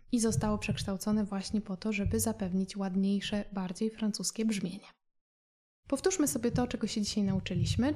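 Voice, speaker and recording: A woman French teacher explaining phrases in a recorded lesson, patient and clear, slowing down for her foreign examples. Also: medium pitch, mellow.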